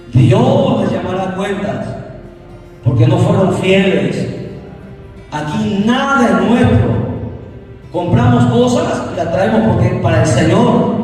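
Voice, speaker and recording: Male pastor, high voice, slow deliberate sermon delivery with call-and-response; distant mic, long hall reverb. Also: darkish tone. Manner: preaching with call-and-response questions to the congregation. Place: church hall. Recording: echoey hall recorded from far off.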